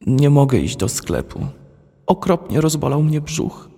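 A man reading a storybook, voicing a little girl who fibs and pleads in a high squeaky voice. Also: wildly swooping pitch, a little slow, a little mellow, slightly rough, heavily acted. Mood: whiny. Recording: long hall reverb.

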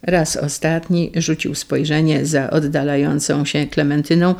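A narrator reading a period novel aloud in measured, even storytelling. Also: medium pitch, creaky.

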